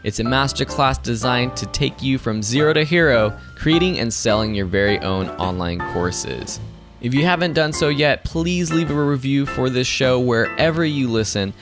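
A man's voice: mid-range voice, lively intonation, moderate pace, music in the background. A man hosting a podcast, upbeat and affirming as he thanks his guest and closes the show. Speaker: podcast host. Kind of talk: casual interview chat and show outro.

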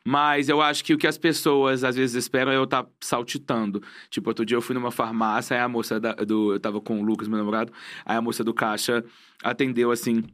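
Fast-talking young Brazilian man. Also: medium pitch. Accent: Brazilian Portuguese. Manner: fast animated storyteller, acts out quotes. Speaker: guest. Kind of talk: casual chat.

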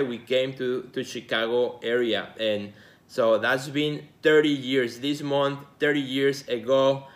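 A man in his forties from Mexico, hosting his own show as a casual solo talk, relaxed and rambling, with many fillers and restarts. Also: mid-range voice. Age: 40s. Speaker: podcast host.

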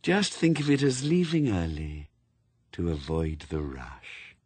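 A man voicing Death, a grave skeletal male reaper who speaks slowly and solemnly in a hollow, quiet voice. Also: low voice, wildly swooping pitch, husky, no echo, voice pushed down, heavily acted.

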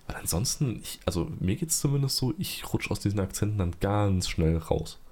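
A man's voice: lowish voice, expressive, normal speed, darkish tone. A man co-hosting a podcast in casual chat, dry and matter-of-fact with drily joking remarks. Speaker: podcast co-host.

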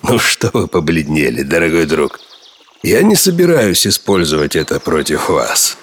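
A man's voice: extremely low pitch, very animated, normal speed. An actor playing an aging, sly king who toys with his subject in a mocking, menacing way. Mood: sly menace. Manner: mocking, toying with his listener. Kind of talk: radio drama acting in a history podcast.

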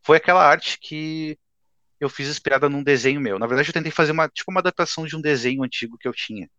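A man's voice: fairly high pitch, fast talker, bright, forceful tone, dry recording. Man in his twenties, casual podcast guest, easygoing talk, dry dull recording. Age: 20s. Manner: laid-back, says "cara" often. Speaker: guest artist.

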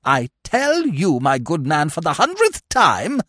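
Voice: medium pitch, huge pitch swings, moderate pace, no room sound, clean studio sound. A performer voicing an imperious, easily outraged elderly English aunt, snapping and exclaiming theatrically in an audiobook story. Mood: frosty indignation.

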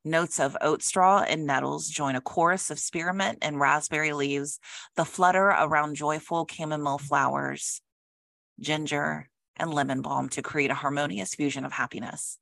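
Woman, low gravelly voice, bright, dry close mic, casual podcast chat. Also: steady tone, normal speed, dry recording. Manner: reads product notes aloud, chatty and giggly. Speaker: podcast co-host. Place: home with cats. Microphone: own microphone.

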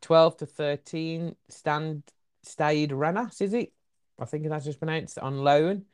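A man with a Black Country accent running a casual football quiz, talking in a chatty, rambling way with quick asides. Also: on the high side, darkish tone, clear, resonant tone. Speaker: quiz host.

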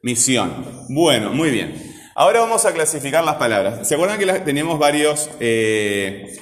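A man's voice: on the high side, very animated, normal speed. A man teaching a grammar lesson, coaxing students along with constant check-in questions. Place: classroom. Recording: roomy classroom echo, faint ambient noise.

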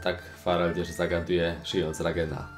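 A man playing a tabletop game. He speaks calmly and describes his character's actions. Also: deep voice, normal speed, soft background music. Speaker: player.

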